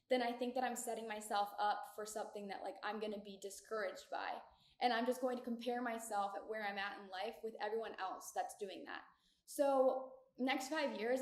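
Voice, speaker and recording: A young woman in her twenties chats through a solo podcast episode in a bright, fairly high voice, upbeat and full of filler words. She's recorded in a shared community room in her apartment building, so the sound bounces around with a noticeable echo. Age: 20s. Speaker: podcast host. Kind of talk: casual solo podcast chat. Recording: echoey room.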